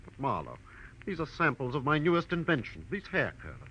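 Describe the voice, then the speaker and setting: An actor playing an anxious, excitable, defensive inventor in a 1940s radio detective drama, agitated and exclaiming. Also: male voice, on the high side, fairly quick, breathy edge, full character voice. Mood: astonished, excited. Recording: muffled, noisy vintage radio recording.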